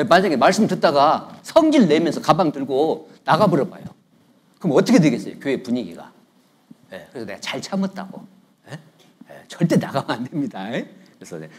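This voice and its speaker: Husky pastor preaching animatedly. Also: male voice, a little high, darkish tone. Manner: keeps prompting the congregation with "예?"; joking, storytelling tone. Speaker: guest pastor. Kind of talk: conversational sermon. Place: church sanctuary.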